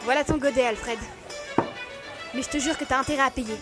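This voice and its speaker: A woman playing a no-nonsense tavern barmaid in an audio drama, brisk and matter-of-fact. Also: high voice, loud music behind the voice, close to an everyday voice. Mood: firm, brisk. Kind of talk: French audio drama acting.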